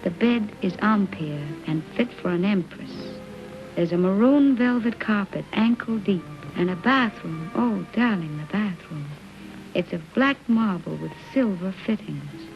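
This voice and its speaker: An actress playing a lovesick young woman reading out a letter to her lover in a soft, tender, wistful voice, in 1930s film style. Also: medium pitch, unhurried, gravelly. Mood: tender longing. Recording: muffled old film soundtrack with faint music.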